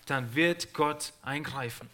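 A man's voice: medium pitch, takes it slowly, a bit bright. A man interpreting a sermon live, echoing the preacher's delivery and sometimes stumbling and restarting. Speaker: church interpreter.

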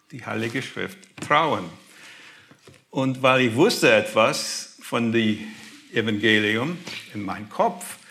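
Halting American man speaking slowly. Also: mid-range voice, pushed and bright. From grew up in the USA. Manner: halting, searching for words, slipping into English. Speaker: guest speaker. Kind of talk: personal faith testimony.

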